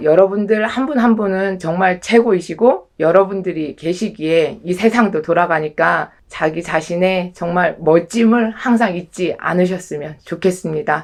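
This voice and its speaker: A woman's hoarse, put-on character voice at medium pitch, with ordinary pitch variation, a moderate pace and hardly any pauses. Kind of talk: warm, encouraging closing words. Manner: kind, reassuring.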